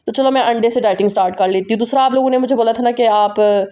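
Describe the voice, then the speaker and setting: A woman vlogger with a Pakistani Urdu accent, chatting quickly and directly to her viewers in a casual voice-over. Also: a little high, steady tone, dark tone, smooth. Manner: fast, run-on, talking straight to viewers.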